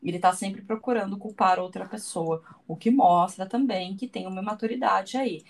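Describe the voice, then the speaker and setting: A woman gives calm, explanatory commentary in a mid-pitched voice. She sounds a little distant from the microphone, and her delivery stays measured. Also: gravelly. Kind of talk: reflective commentary. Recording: voice somewhat distant from the mic.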